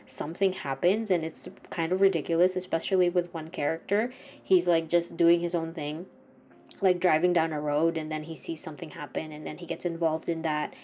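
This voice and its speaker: A low-pitched, soft-spoken young woman vlogs while painting in her home art studio, her voice congested and sniffly. She rambles and corrects herself often, and a slight hiss or hum runs through the audio.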